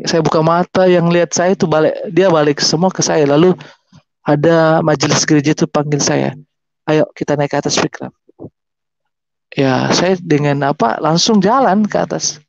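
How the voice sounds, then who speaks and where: A man with a fairly high voice recounts his conversion as testimony, animated and vivid, acting out the voices in his story. The sound is dry and slightly muffled. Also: no echo. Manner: animated, acts out voices and gestures while telling his story.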